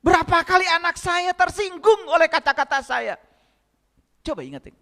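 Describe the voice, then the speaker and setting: A man's voice: very high voice, big pitch swings, normal speed, sharp tone, in a large hall. A man giving a spiritual lecture to a congregation, often asking them rhetorical questions and speaking to them directly. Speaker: religious lecturer.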